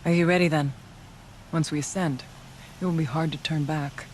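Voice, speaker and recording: A woman's voice: deep voice, fairly even intonation, normal speed, slight background noise, natural voice. An actress playing a devout, proud tribal shaman woman in a video game, with solemn, formal phrasing. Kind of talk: dramatic video game cutscene acting. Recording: music behind the voice. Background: music.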